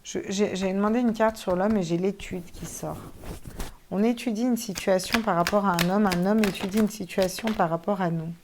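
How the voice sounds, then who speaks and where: A woman's voice: mid-range voice, fairly quick, background noise. A woman giving a casual tarot reading to viewers, chatty and thinking aloud, with some casual swearing. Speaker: tarot card reader.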